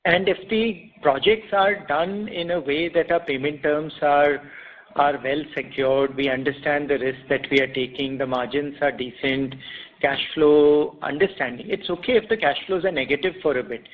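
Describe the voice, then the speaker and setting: An Indian-accented man with a slightly high voice speaks over a narrow phone line. He sounds like a company executive, explaining his points deliberately on an earnings call. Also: steady tone. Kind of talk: answering questions on an earnings call. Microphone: conference call line.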